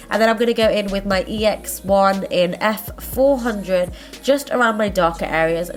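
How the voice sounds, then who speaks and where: Stuffy-nosed woman chatting through steps. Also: medium pitch. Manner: chatty, friendly, self-correcting. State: congested, stuffy-nosed from a cold. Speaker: makeup tutorial host. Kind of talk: casual step-by-step tutorial narration.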